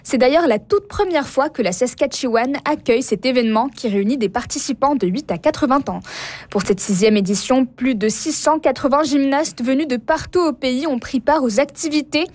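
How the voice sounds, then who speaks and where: High-voiced French Canadian woman reading news. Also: darkish tone, no echo. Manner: measured, formal newsreading. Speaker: radio newsreader. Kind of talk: scripted news bulletin. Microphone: studio microphone.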